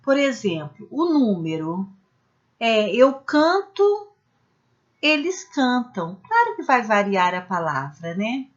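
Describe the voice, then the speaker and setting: A woman with a fairly high voice leads an exam-prep grammar lesson. She explains each rule step by step, gives spoken examples, and keeps checking in with her viewers. The recording sounds dull and lo-fi. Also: very animated, takes it slowly. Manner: addresses viewers as "gente" with frequent "né?" tags. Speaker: Portuguese language teacher.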